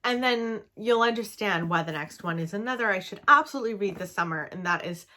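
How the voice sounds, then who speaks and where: A woman's voice: medium pitch, animated, a little fast, pushed and bright. A young woman from Canada in a casual book-review vlog, chatty and enthusiastic, with lots of "um" and "like". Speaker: book vlogger.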